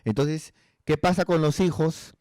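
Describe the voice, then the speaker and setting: A man's voice: a little high, steady tone, a little slow, a little mellow, dry recording, studio quality. A male pastor giving pastoral counsel in a conversational sermon, earnestly asking rhetorical tag questions.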